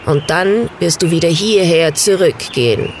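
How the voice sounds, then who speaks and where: A woman voicing a greedy, threatening male black bird in a storybook, slow and croaking. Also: lowish voice, darkish tone, a little hiss or hum, natural voice. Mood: menacing.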